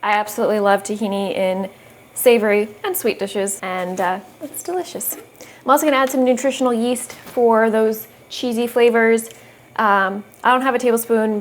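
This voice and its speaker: A woman's voice: a little high, a little hiss or hum. Chatty young woman cooking at home. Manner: chatty, upbeat, explains as she cooks. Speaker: cooking video host. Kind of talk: casual cooking demonstration. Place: home kitchen, indoors. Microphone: small lapel mic.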